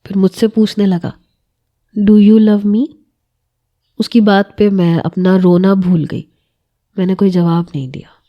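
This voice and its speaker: A woman telling a first-person romantic story in scripted narration, with a measured, emotional delivery. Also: lowish voice, dull audio.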